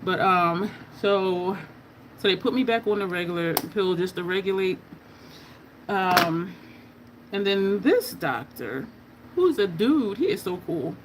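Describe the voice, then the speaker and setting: A woman in her fifties, a makeup vlogger, chats candidly while doing her makeup, reading viewer comments aloud and answering their questions frankly. She talks slowly and animatedly in a medium-pitched voice, over a noisy background.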